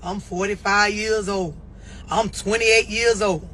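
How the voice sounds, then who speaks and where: A man's voice: high voice, steady tone, takes it slowly, a bit bright, slight background noise. A man imitating a defensive man who insists he is grown, in an indignant, boastful tone.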